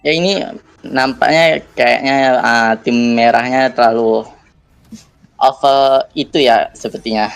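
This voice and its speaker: A man's voice: mid-range voice, fairly even intonation, slow pace, creaky, clean tone, no room sound. A man with a speech impediment on his r sounds, commentating live on a game in a casual, chatty way. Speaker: esports caster, streamer.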